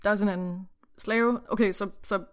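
A woman's voice: medium pitch, fairly even intonation. A woman hosting a podcast, chatting casually, bluntly, and swearing freely, who reads passages aloud. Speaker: podcast host. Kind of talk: casual chat with reading aloud.

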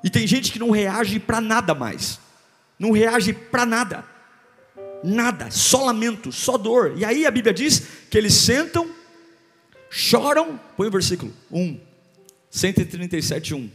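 A man preaching a sermon, swinging between loud bursts and hushed, repeated phrases. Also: sits high, big pitch swings, normal speed, big-room sound, soft background music. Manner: rhythmic repetition, calls for congregation to repeat. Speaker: pastor.

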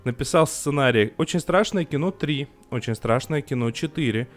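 A young man with a mid-range voice speaks at normal speed as co-host of a podcast reviewing TV series. He talks casually and emotionally, often restarting sentences and using filler sounds.

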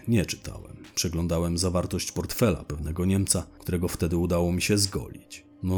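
A man's voice: sits low, darkish tone, breathy edge. A man narrating a first-person crime story in a blunt, slangy way, swearing now and then.

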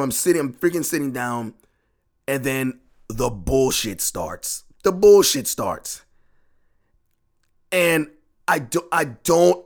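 A man with a worn, hoarse voice, ranting on a sports podcast. His pitch sits in the middle of the male range. He keeps circling back to the same complaints with exasperated swearing. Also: fairly bright tone. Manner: frustrated, profane, repetitive ranting. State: hoarse, lost voice. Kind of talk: solo ranting sports talk.

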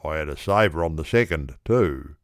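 A man reading a story, voicing a punter who hides his disappointment behind a calm reply. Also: rumbling low, normal speed, no echo, clean studio sound, voice pushed down. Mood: forced calm. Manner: subdued, forced calm. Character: knowing man betting on horses, putting a game face on.

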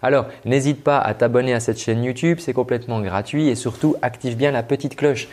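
Man, vocal coach, mid-pitched voice, spoken lesson, hesitant fillers, demonstrates voice styles. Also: fairly quick. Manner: demonstrates flat and lively speaking voices; frequent hesitations with euh.

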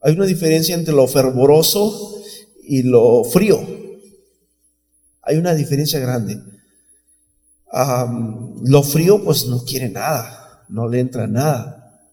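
A man's voice: medium pitch, animated, slow, pauses often, mellow. A man preaching an informal sermon, talking conversationally and calling listeners brother. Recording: echoey hall, faint music behind.

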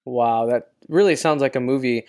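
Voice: mid-range voice, moderate pace, darkish tone. An interviewer asking numbered questions in an upbeat, encouraging manner.

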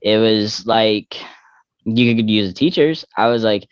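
A young trans man speaks in a low register, working through his thoughts haltingly with lots of fillers and self-corrections. The sound is dry and a bit muffled, as if recorded close on a modest mic. He sounds candid and personal. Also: clean tone, no room sound. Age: young adult. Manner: reflective, halting, many fillers and restarts. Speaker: interview guest.

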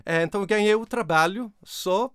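A middle-aged Swedish man with a Swedish accent, speaking as a guest in an interview and telling a story with hesitant pauses and restarts. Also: sits high, fairly bright tone, clean tone, no room sound, studio quality. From Sweden. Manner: hesitant, with many fillers and restarts.

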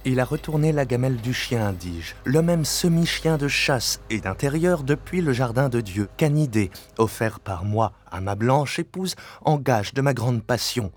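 An actor playing an obsessive, vengeful widower in a French audio-drama monologue, solemn, grandiloquent and deliberate, often sinking into breathy whispers. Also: male voice, low voice, steady tone. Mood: agitated, scheming. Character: obsessive, vengeful widower, grandiloquent, haunted by his lost wife. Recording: binaural recording with music.

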